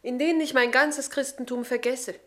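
Candid, high-voiced Christian woman played by an actress. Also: fairly even intonation, normal speed, natural voice. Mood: candid, reflective. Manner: thoughtful, frank. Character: proud, candid young Christian woman with doubts. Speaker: actor. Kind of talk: German radio play acting.

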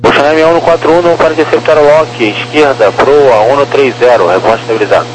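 A man's voice: mid-range voice, fairly even intonation, fast. A man with a Brazilian accent giving procedural instructions as an air traffic controller over two-way radio, in a police radio style. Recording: noisy, humming airband radio.

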